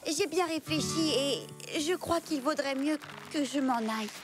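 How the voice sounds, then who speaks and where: A young cartoon girl with itchy feet, high-pitched and earnest. She is lively yet unsure of herself, with music clearly playing behind. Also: unhurried. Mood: wistful. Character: restless young female cartoon traveler, cheerful, self-doubting tinkerer. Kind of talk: French animated series dub.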